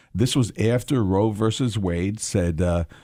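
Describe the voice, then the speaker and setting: Speaking with a North Jersey accent, a man has a dark, mellow tone, ordinary pitch variation and a moderate pace. The sound is dry and close with no echo, in a very clean recording with a silent background. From North Jersey (Elizabeth, New Jersey). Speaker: state senator and lawyer. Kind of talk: radio interview. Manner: halting, with many fillers and restarts.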